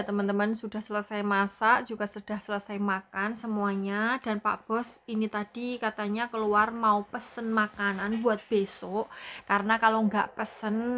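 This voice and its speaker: A woman's voice: medium pitch, fairly bright tone. A young Indonesian woman with a Javanese accent, chatting casually to her viewers about looking after an elderly person at home. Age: young adult. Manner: chatty, explaining, often says "gitu". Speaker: vlogger, caregiver for an elderly person. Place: home in a city. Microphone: phone.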